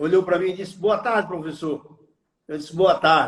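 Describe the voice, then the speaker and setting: Here is a man with a high-pitched voice. The pitch moves with ordinary variation. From Northeast Brazil, Pernambuco (Recife). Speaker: retired teacher and college academic director. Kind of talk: interview storytelling. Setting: live stream interview.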